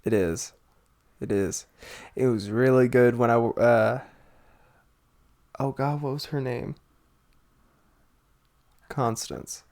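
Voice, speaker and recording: A podcast co-host in casual conversation, speaking haltingly in short, agreeing remarks. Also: mid-range voice, fairly even intonation, a little mellow.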